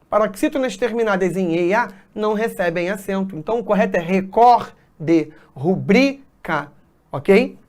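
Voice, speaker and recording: A woman teacher explaining grammar at a whiteboard, often checking in with her students. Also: fairly high pitch. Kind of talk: exam-prep grammar lesson.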